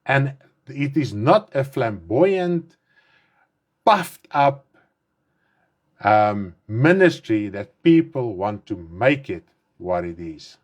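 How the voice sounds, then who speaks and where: A middle-aged man with an Afrikaans accent delivers an earnest online sermon in English, his first language being Afrikaans. His pitch swings widely, climbing on emphatic words and sinking at the ends of phrases. His mouth is dry, and he rephrases and repeats as he goes. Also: big pitch swings, takes it slowly, pauses often. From South Africa. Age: 50s. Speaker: pastor.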